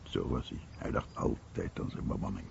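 A man with a gravelly voice reading scripted documentary narration and translated voice-over. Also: moderate pace, a little mellow, slight background noise. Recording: dull, muffled broadcast recording.

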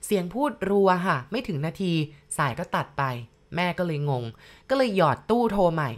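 Brief: woman, low-ish voice, chatty ghost story narrator addressing the audience. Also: expressive, moderate pace. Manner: conversational, addresses listeners directly. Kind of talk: storytelling to listeners.

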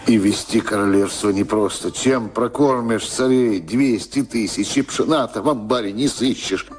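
An actor playing an aged, worried count in a verse radio play, brooding and plaintive. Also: male voice, on the low side, normal speed, soft background music, close to an everyday voice. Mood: fretful, gloomy. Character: aged, worried male count fretting over a starving kingdom.

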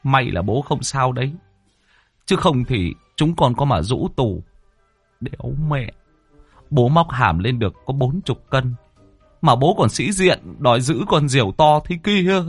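Fed-up young villagers whine and scold in raised, sing-song voices, as a male narrator plays them. The pitch sits well above his own and wanders a lot. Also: animated, unhurried, husky, dry recording, faint music behind. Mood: whining. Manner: whiny, exasperated pleading. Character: group of exasperated young village men. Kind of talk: comic storytelling.

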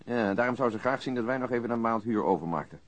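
An actor playing a calm, laconic police detective in a radio drama, understated and dryly ironic. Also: male voice, medium pitch, fast talker, close to an everyday voice.

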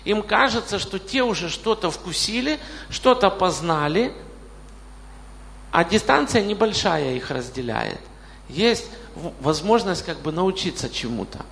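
Male pastor, late 40s, gravelly voice, reverberant hall. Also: high voice, very animated, unhurried, fairly bright tone, a little hiss or hum. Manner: questions the congregation directly. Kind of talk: sermon.

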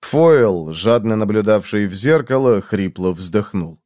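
A man reading a novel aloud as an audiobook narrator, dramatic and expressive. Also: fairly low pitch, unhurried, no room sound, studio quality. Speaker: audiobook reader. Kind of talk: scripted narration.

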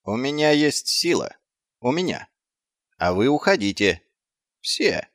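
A man voicing a small, scruffy male mongrel dog who talks in a higher, pushy, excitable way. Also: unhurried, no echo, clean studio sound. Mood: defiant. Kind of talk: audiobook character voice.

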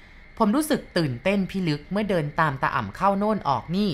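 A woman reading a first-person ghost story aloud in a plain, unhurried way. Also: medium pitch, lively intonation, a little hiss or hum.

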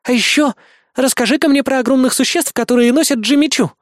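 A narrator voicing an excitable, eccentric young woman who chatters eagerly in a high voice. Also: brisk, dry recording, studio quality, natural voice. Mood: teasing.

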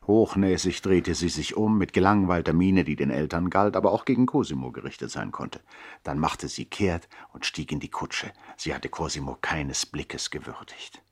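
A man narrating a 1960s German radio play in a measured, dramatic literary style. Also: sits low, expressive, slightly rough.

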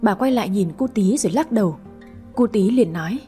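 A woman's voice: medium pitch, expressive, brisk, mellow, soft background music. A woman reading a romance story aloud, narrating and voicing every character herself. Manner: reads every character herself, shifting tone for dialogue. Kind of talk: storytelling narration with voiced dialogue.

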